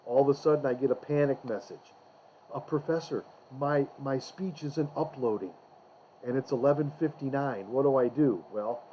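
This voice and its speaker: A man teaching public speaking, addressing his students directly in a conversational, coaching way in a recorded course introduction. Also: medium pitch. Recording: dull lo-fi recording with faint hiss.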